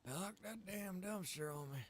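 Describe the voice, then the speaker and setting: A man's voice: high-pitched, normal speed, a little hiss or hum. A man giving casual, rambling live commentary as he plays a game, muttering to himself. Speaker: game streamer.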